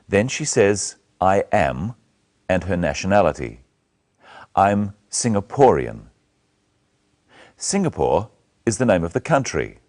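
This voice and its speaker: A middle-aged man presenting a scripted English lesson, speaking slowly and clearly into a lapel mic. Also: low-pitched, a little mellow. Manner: slow, clear, carefully spoken. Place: small studio set, indoors.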